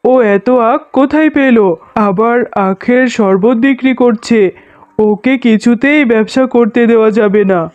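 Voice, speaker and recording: A man's voice: very high-pitched, unhurried, darkish tone. A man voicing a resentful, scheming tiger shopkeeper and husband in a cartoon, with a grumbling, indignant manner. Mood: angry, indignant. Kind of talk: Bengali cartoon voice acting. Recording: muffled lo-fi sound, music behind. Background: music.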